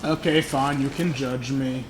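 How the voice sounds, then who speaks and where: A man's voice: mid-range voice, steady tone, measured pace, low-quality recording. A man giving casual, rambling playthrough commentary with joking asides. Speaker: gaming YouTuber commentating his play. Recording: game music behind the voice. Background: video game music.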